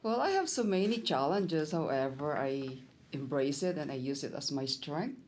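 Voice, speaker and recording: A woman from the Philippines speaks in a notably low voice, telling her story with animated energy. A faint hiss sits behind her. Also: normal speed. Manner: animated, laughs between phrases. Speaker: guest, entrepreneur. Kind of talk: interview answers.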